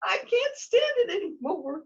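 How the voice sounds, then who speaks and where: A woman's voice: very high voice, very animated, unhurried, dull audio, pitched above the performer's own voice, heavily acted. A woman voicing a dramatic, whiny, naive young servant girl in a puppet show, flustered and repeating herself. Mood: frustrated. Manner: melodramatic, repetitive, flustered.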